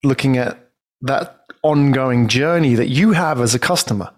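A man's voice: medium pitch, normal speed. A man hosting an interview, asking questions in an engaged, chatty way and often ending with tag questions. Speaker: podcast host.

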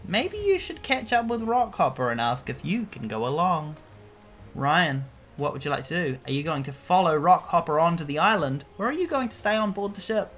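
A woman's voice: lowish voice, sing-song, moderate pace, a bit bright, faint music behind. A woman hosting a comedy podcast, reading a children's book aloud and bantering in a playful, self-deprecating way.

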